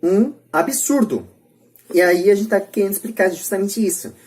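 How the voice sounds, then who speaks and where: A woman's voice: mid-range voice, normal speed, darkish tone. A Brazilian woman hosting a podcast debate, speaking in an emphatic, repetitive, opinionated way. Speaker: podcast host.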